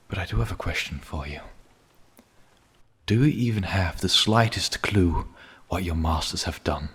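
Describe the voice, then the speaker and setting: A man playing a grim, menacing vampire hunter in an ASMR roleplay, speaking slowly and solemnly in a husky voice that often sinks into a whisper. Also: low-pitched, full character voice. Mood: cold menace. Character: grim male vampire hunter, menacing yet pleading captor. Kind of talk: ASMR roleplay, dramatic monologue.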